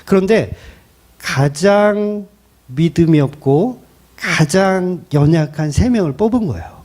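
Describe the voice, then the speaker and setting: A middle-aged male pastor preaching in a conversational way and posing rhetorical questions. His voice sits high and moves a lot in pitch, with a warm, mellow tone. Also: lively intonation, takes it slowly. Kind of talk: expository sermon.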